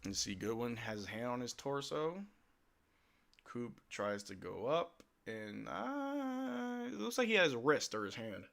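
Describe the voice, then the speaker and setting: A man hosting a live watch-along stream, giving play-by-play commentary and joking reactions as an excitable fan talking to his chat. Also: medium pitch, normal speed, vocal fry. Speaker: livestream host.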